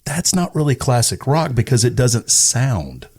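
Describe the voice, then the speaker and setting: A man talking casually as an interview guest, recalling things in a halting, hedging way. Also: medium pitch, big pitch swings, a little mellow, slightly rough. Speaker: interview guest, radio personality. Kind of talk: casual conversational recollection.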